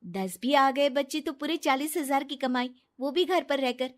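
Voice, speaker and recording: A woman's voice: sits high, normal speed, voice pushed up, close to an everyday voice. A woman voicing an earnest, trusting young wife in a cartoon story, pleading as she talks.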